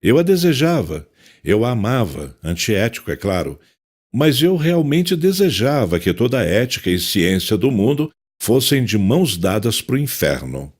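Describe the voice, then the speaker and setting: A tormented psychiatrist played by a man confesses in a low voice with a Brazilian accent. His delivery is theatrical and anguished, swinging widely in pitch, as in a dark audio drama. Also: sing-song, normal speed. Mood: brooding, regretful. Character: tormented male psychiatrist, anguished and self-loathing.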